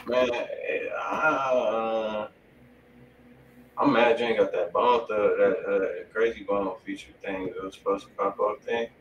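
A man co-hosting a music stream in casual chat, speaking in a halting, offhand way. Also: lowish voice, steady tone, muffled recording. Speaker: music review show co-host. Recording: distant mic, roomy, faint noise.

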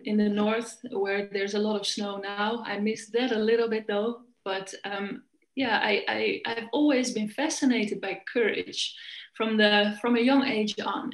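A woman's voice: mid-range voice, reverberant, rough recording. A woman from the Netherlands, in her forties, giving an earnest conference talk as a coach over a video call, with frequent restarts. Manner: earnest, searching, many restarts. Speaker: coach and festival speaker. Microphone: video call, laptop.

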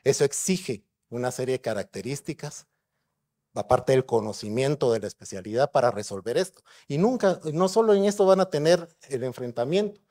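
A man's voice: on the high side, warm tone. A middle-aged man, a neurosurgeon giving a conference lecture in a conversational way and putting rhetorical questions to the audience. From Guatemala.

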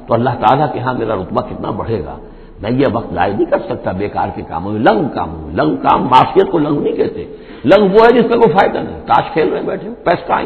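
A man's voice: medium pitch, vocal fry. An older man giving a Quran commentary lecture, reciting Arabic verses and then explaining them in plain speech. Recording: tinny lo-fi recording in a hall with long echo.

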